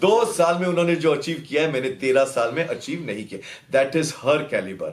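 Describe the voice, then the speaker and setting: A man talks at a moderate pace with fairly high pitch. His intonation is lively. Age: 60s. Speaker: laughter yoga instructor. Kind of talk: radio interview. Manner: animated.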